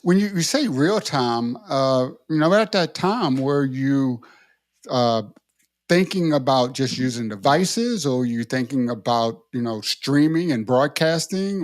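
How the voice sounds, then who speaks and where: A man hosts a video podcast interview. His voice sits at an ordinary middle pitch. He talks in a relaxed, conversational way and keeps asking follow-up questions. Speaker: podcast host.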